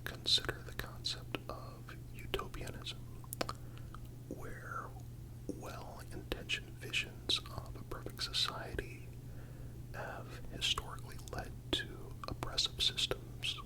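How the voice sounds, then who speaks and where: This is an ASMR narrator who speaks entirely in a soft, breathy whisper. The delivery is slow and measured, with a soothing, contemplative feel. It sounds like a carefully scripted reflective reading. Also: poor audio.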